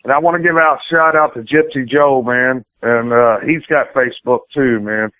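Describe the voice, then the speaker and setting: A man's voice: mid-range voice, moderate pace, no echo. A man, a pro wrestler giving a casual interview, who rambles in plain-spoken, colloquial and sometimes profane speech. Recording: tinny phone-like radio interview audio.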